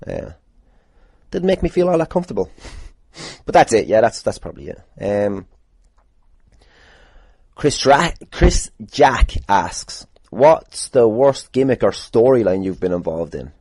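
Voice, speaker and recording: A man's voice: on the low side, very animated, a little slow, pauses often, a little mellow, breathy edge, no echo. A man hosting a casual solo podcast, rambling and sweary as he answers listener questions in a jokey way. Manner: rambling, sweary, jokingly boastful. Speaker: podcast host and wrestler.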